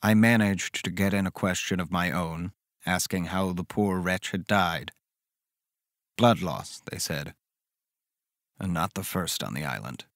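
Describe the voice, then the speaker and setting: An actor playing a caring, reflective man who recounts eerie events in measured, dramatic first-person horror narration. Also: low-pitched, fairly bright tone, no echo, studio quality. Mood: uneasy, reflective. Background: music underneath.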